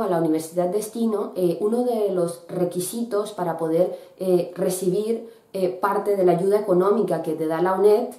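Woman vlogging with mellow voice, echoey room. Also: mid-range voice. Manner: hesitant, many fillers and restarts. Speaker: student vlogger. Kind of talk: casual explanatory vlog. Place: bright indoor room by a window.

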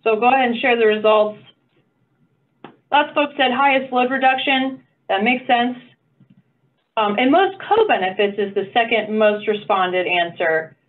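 A woman's voice: fairly high pitch, moderate pace. Woman on a tinny video call. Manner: upbeat, encouraging, playful asides. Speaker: meeting facilitator. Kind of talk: online meeting facilitation. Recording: phone-like video call audio.

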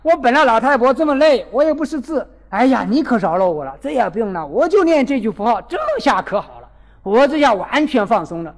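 High-voiced man telling a sermon story. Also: fairly quick. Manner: animated, acts out quoted characters. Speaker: Buddhist dharma teacher. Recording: long hall reverb.

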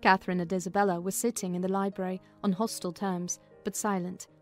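A woman narrates an audiobook in a mid-pitched voice. The reading is scripted and dramatic, with music playing faintly behind her. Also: flat delivery, fast, a little mellow.

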